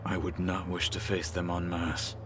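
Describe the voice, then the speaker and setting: A man's voice: low voice, little pitch movement, moderate pace, background noise, lightly acted. A man playing a stern, battle-minded tribal warrior in a video game, formal and terse. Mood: grave. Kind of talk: video game cutscene acting.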